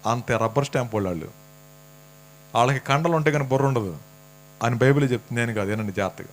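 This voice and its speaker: A man preaching a sermon in a church, talking casually and teasing the congregation with questions. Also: medium pitch. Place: church hall.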